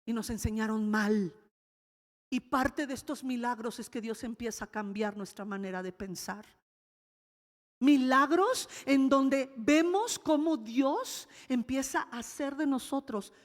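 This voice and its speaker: A woman pastor with a Mexican accent preaching a sermon, lively, with laughing asides and sudden exclamations. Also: fairly high pitch. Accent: Mexican Spanish. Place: church hall. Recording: long hall reverb.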